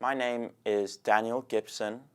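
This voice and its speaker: A man's voice: medium pitch, fairly even intonation, a little slow, clear, resonant tone. A young man, an exchange student giving thoughtful interview answers. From South Africa. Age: young adult. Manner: thoughtful, choosing words with restarts.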